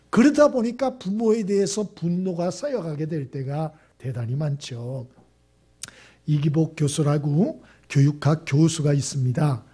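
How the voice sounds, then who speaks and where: A middle-aged male pastor preaching a Sunday sermon in a church, his voice pitched high with a husky, breathy edge. He tells his story in a conversational way and keeps putting rhetorical questions to the congregation. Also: warm tone. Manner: storytelling, acting out quoted family dialogue. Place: church sanctuary.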